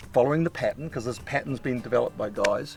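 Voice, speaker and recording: A man speaks with a New Zealand accent at a fairly high pitch. Music plays in the background. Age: 60s. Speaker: sheep farmer and shearer. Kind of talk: casual chat.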